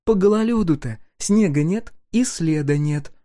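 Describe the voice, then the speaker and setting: A man's voice: fairly high pitch, expressive, moderate pace, warm tone, no room sound, studio quality, voice pushed up, close to an everyday voice. A man voicing a bossy, teasing peasant girl. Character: sharp-tongued young peasant woman, bossy. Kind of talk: audiobook character voice.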